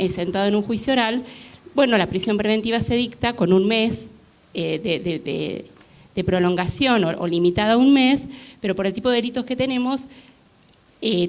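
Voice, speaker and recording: A woman giving a comment from the audience at a law panel, hesitant and full of filler sounds. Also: mid-range voice. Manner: hesitant, many filler "eh"s and restarts. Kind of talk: public Q&A comment. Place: university lecture hall.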